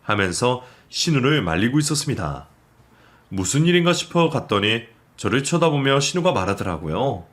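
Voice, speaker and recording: A man narrating a scripted story in a steady, measured way. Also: medium pitch.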